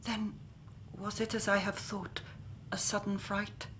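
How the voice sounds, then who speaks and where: A woman's voice: mid-range voice, little pitch movement, a little slow, a bit bright, slight background noise, lightly acted. An actress playing an anxious young Victorian woman in a radio drama.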